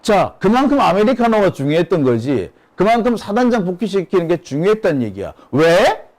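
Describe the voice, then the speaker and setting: A man's voice: high-pitched, very animated, fairly quick, darkish tone. A man hosting a solo political commentary, speaking emphatically and asking rhetorical questions. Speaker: host of a political commentary channel.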